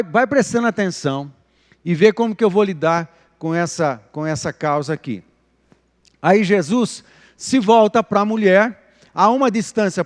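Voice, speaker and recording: A man from Brazil, a pastor giving an expressive sermon at a live church service, sometimes dropping to a near whisper. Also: high-pitched. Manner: expressive preaching, drops to a whisper at times. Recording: live church recording with long reverb.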